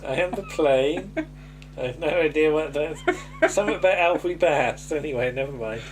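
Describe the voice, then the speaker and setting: A man's voice: a little high, moderate pace, slight background noise. A man with a slight lisp, casually recapping a sitcom episode and hesitating with many ums and restarts. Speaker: podcast co-host.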